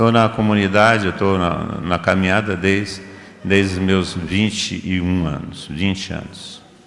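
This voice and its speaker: A man with a very deep, low pitch speaks at a fairly slow pace with fairly even intonation, over noticeable background noise and audible room echo. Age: 70s. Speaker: preacher. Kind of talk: sermon. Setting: leadership meeting.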